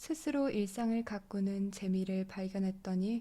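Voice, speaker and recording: A woman talks at a very slow pace, her voice somewhat breathy. Her tone is gentle, dark and mellow. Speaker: audiobook reader. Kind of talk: sleep audiobook reading. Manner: slow, gentle.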